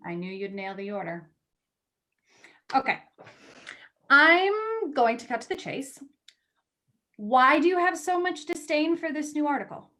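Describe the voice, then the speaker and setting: A woman's voice: high-pitched, sing-song, unhurried, pauses often, pushed and bright, heavily acted. A woman acting in a play reading as a blunt, wry magazine editor who is a loyal, teasing friend.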